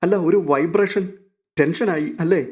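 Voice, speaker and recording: A man voicing an eager, chatty young girl who reports news excitedly. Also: on the high side, measured pace, voice pushed up, close to an everyday voice.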